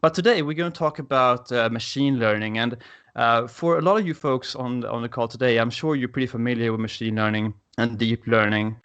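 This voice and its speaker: A man's voice: mid-range voice, a little fast, a bit bright, clear, resonant tone, lo-fi sound. A man from Sweden with a Swedish accent, giving an enthusiastic technical presentation over a video call with frequent "uh" fillers. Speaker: conference speaker.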